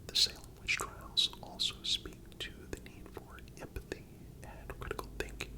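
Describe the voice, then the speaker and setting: An ASMR narrator speaks entirely in a breathy whisper, without voicing. The delivery is calm and measured, reading scripted history narration with deliberate phrasing. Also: poor audio. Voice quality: breathy unvoiced whisper throughout. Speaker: narrator and channel host.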